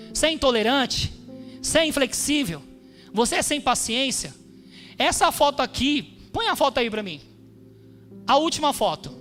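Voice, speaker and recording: A pastor preaching a sermon in a church, emphatic, calling on the congregation with frequent amens. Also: male voice, extremely high pitch, a bit bright. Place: church hall during a service.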